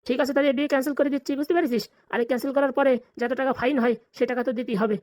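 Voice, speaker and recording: Lady doing a grumbly old cartoon grandpa, quick scolding talk, kinda high pitched. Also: fairly even intonation, darkish tone, close to an everyday voice. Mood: stern, bossy. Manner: scolding, blunt, colloquial. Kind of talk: comic cartoon dialogue.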